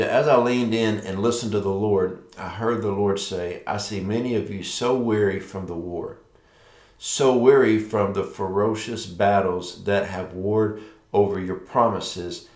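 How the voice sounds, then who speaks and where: Middle-aged man, lowish voice, careful speech after dental surgery with stitches in his mouth, devotional ministry host, roomy echo. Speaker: ministry leader hosting a prophetic show. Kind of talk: devotional talk with read-out prophetic words. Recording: echoey, roomy sound.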